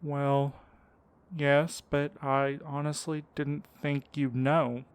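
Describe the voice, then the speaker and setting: A man's voice: on the high side, level tone, slow pace, clean tone. A man acting in an audio drama as an anxious, devoted partner, earnest, caring and a little hesitant. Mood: puzzled. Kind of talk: fiction podcast acting.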